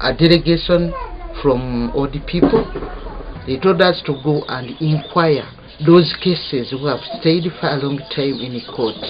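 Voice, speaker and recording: The speaker has a Kenyan accent and talks at a fairly slow pace. Noticeable background noise runs under the voice. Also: woman, very deep, low pitch for a woman, ordinary pitch variation. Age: 60s. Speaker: chairperson of an older people's group. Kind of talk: interview answer.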